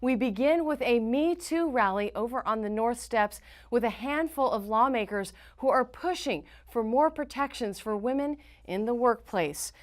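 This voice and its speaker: A woman's voice: on the high side, animated, moderate pace. A woman with an American accent reading scripted news in a formal, emphatic newsreader delivery. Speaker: news reporter and anchor.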